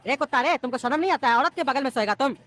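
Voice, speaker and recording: A woman voicing a scheming father on a train in a cartoon comedy, complaining and quick-tempered. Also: high voice, fairly bright tone. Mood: angry. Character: scheming ticketless father, grown man.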